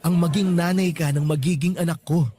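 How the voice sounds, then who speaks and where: A man with a Filipino accent acting as an affectionate, easygoing boyfriend in a radio romance drama, speaking in a conversational, expressive way. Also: fairly high pitch, fairly quick, close to an everyday voice. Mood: reassuring, happy.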